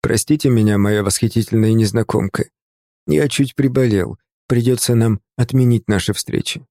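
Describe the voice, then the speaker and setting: A man voicing a greying middle-aged male lecturer who grumbles with gentle reproach, read as part of an audiobook. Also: on the low side, moderate pace, no room sound, close to an everyday voice. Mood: apologetic.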